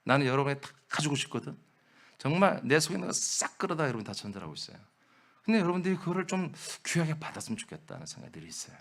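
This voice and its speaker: A man's voice: fairly high pitch, big pitch swings, racing, a bit bright. A male pastor preaching with emphasis in a church, talking straight to his congregation.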